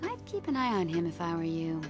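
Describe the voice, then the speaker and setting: An actress voicing a calm adult heroine who leads a newcomer on a tour of her team's home in a video game. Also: on the low side, fairly quick, music in the background. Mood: welcoming. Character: calm adult woman mutant team guide. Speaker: game character giving a house tour.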